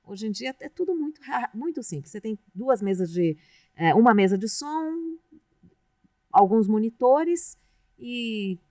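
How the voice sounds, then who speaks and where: A middle-aged Brazilian woman, a radio announcer guesting on a podcast, talking in a relaxed, rambling, chatty way with restarts. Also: a little high, unhurried, no echo, studio quality. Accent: Brazilian Portuguese. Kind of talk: casual podcast interview.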